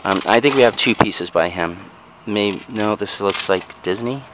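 A lower-pitched man chats his way through a show-and-tell of his purchases, hedging and correcting himself as he goes. He is recorded outdoors on a handheld camera mic. Faint outdoor noise and passing vehicles sit under his voice. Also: moderate pace. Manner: rambling, frequent ums and self-corrections. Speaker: vlogger showing resale finds. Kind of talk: casual show-and-tell narration. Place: outdoors in a backyard patio.

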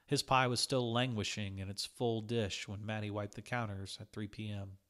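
A man reads fiction aloud as an audiobook narrator. His voice sits fairly low, and he delivers scripted narration. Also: little pitch movement, moderate pace, fairly bright tone. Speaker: audiobook reader. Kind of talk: scripted short story narration.

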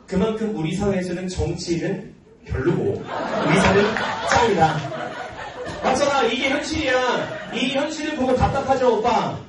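A cram school teacher in his early forties, high-voiced and moderately paced, answers students' questions informally over a noisy crowd, playful and joking yet earnest, often laughing. In a large classroom full of students, he holds a handheld mic while a tripod camera films from the back; the audio is roomy, distant, and noisy.

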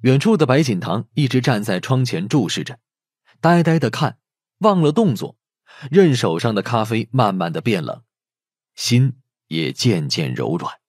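Expressive husky male audiobook narrator. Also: mid-range voice, normal speed, dry recording, clean studio sound. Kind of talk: scripted dramatic narration of a novel.

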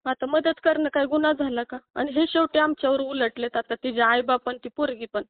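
A high-pitched woman pleads over a tinny, dry phone line, her voice thin and close with no room around it. She sounds upset, near tears, and keeps pressing her complaint with short questioning tags. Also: steady tone, a little fast, no echo. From Maharashtra. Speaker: caller asking for help.

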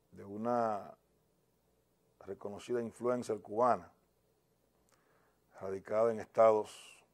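Dominican male news commentator, mid-pitched, emphatic and indignant. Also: darkish tone. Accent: Dominican Spanish. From Dominican Republic.

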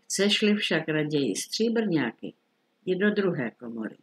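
A woman's voice: low-pitched, very animated. A woman voicing a scheming old witch in a storybook reading, coaxing and secretive. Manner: coaxing, then curt.

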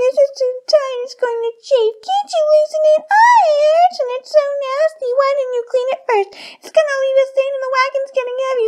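A woman's voice: very high voice, heavily acted. A woman voicing a vain, ladylike cartoon unicorn pony who loves fashion, with refined, theatrical diction. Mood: whining. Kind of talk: fan voice reel of cartoon lines.

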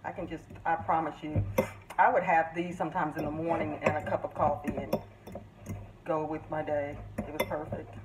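Hosting a casual cook-along in her home kitchen, a woman chats to viewers, calling them "guys," as she mixes. Her voice is low and flat at normal speed, and it sounds distant beneath loud clattering dishes and background noise.

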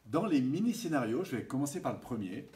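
A man giving a seminar lecture, animated and checking in with his audience often. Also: medium pitch, brisk. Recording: distant mic with faint hiss.

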